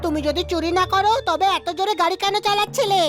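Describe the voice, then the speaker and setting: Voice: very high-pitched, fast, a bit bright, soft background music. A performer voicing a cheeky little cartoon animal hero in a Bengali dub.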